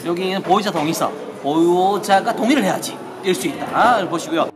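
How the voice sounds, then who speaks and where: A man's voice: high-pitched, normal speed, heavy background noise. A man in his forties presenting a vlog to camera in an exclamatory, showman-like way. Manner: exclamatory, theatrical showman delivery. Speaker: video show host. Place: on location, outdoors and in a large indoor hall. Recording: loud music over the voice. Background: loud music.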